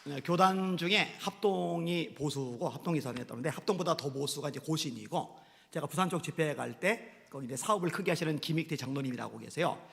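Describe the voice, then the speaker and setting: A male pastor preaches a sermon and tells a story briskly from the pulpit. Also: a little high, creaky, a bit bright. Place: church sanctuary. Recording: echoey sanctuary with long reverb.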